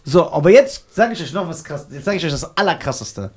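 A young man from Germany telling a story on a casual podcast, animated and laughing at himself as he acts out the voices of the people in it. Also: on the high side, brisk, noisy background. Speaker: podcast co-host.

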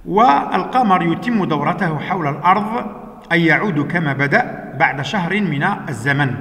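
A man teaching a lesson, working through exercises step by step with patient explanations and frequent "uh" pauses. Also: a little high, expressive, fairly bright tone. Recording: echoey room with long reverb.

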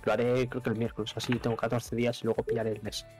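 A man's voice: medium pitch, flat delivery, quick pace, a little mellow, soft background music. A man from Spain with a Spanish accent, streaming live and rambling casually about his setup and the game. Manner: rambling explanations, laughs often.

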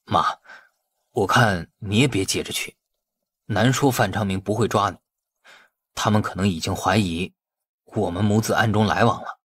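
A man's voice: on the low side, moderate pace, pauses often, fairly bright tone, slightly rough. A man voicing an anxious, puzzled young son on the run in an audiobook, questioning and doubtful. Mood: worried.

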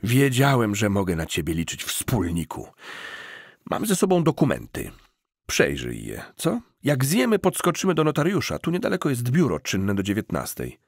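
A man acts out a pushy, smooth-talking hustler in an audiobook. He is emphatic and coaxing like a salesman, with lively swoops of pitch and a rough-edged voice, recorded very dry. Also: moderate pace, no room sound, exaggerated voice. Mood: pleased, coaxing. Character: smooth-talking eager hustler cousin, persuasive adult man.

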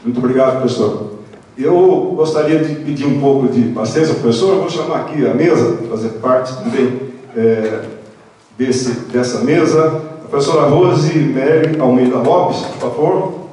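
An older man with a Brazilian accent moderating a seminar panel, speaking formally and haltingly as he searches for words. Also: medium pitch, dark tone. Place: large indoor auditorium at panel table. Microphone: handheld microphone through hall, far camera. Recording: echoey auditorium, distant mic, faint noise.

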